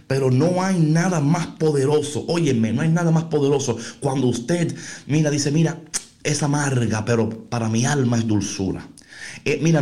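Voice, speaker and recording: A man's voice: mid-range voice, a little mellow. A man preaching an informal sermon, folksy and playful, talking straight to his listeners.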